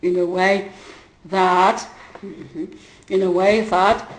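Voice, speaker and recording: A woman whose first language is not English, retelling a conversation in a halting way with many fillers and restarts and frequent laughter. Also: lowish voice, level tone. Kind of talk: casual spoken retelling. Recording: roomy echo.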